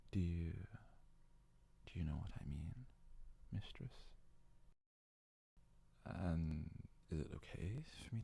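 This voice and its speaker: A man performs a meek, obsessive kitsune servant boy in an ASMR roleplay. The voice is very deep and husky, with a heavy gravelly creak. He speaks hesitantly and pleadingly, with submissive devotion. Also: warm tone, exaggerated voice. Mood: tender, confessing. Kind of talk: ASMR roleplay, intimate scripted monologue.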